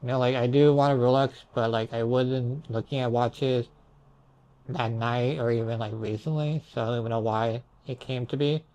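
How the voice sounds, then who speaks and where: A man's voice: medium pitch, fairly even intonation, normal speed, dark tone. A young man with a mid-range voice recounts his dreams casually. He sounds hazy and puzzled, drifting into asides and circling back as he tries to piece things together. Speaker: storyteller recounting own dreams. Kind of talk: casual rambling storytelling.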